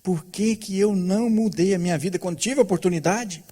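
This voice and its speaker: A man voicing a desperate male prisoner awaiting execution, asking himself anguished questions in a husky voice. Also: high voice, fairly quick, warm tone, pitched above the performer's own voice. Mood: remorseful.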